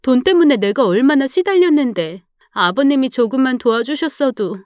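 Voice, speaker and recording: A guilt-ridden young wife, voiced by a woman, makes defensive excuses and apologizes in a storybook drama. Her voice sits slightly high. The recording is dry and close, with no room sound. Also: expressive, moderate pace, a little mellow, dry recording.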